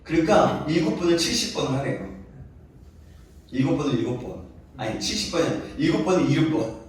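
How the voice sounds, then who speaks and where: A man's voice: on the high side, very animated, quick pace. A male pastor giving a sermon to a youth congregation, conversational and full of questions to the listeners. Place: church sanctuary. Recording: very echoey hall, voice from a distance.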